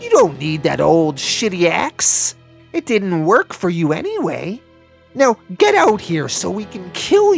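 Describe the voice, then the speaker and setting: Spoken at a fairly slow pace in a middle pitch, this put-on character voice has faint music behind it. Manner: taunting.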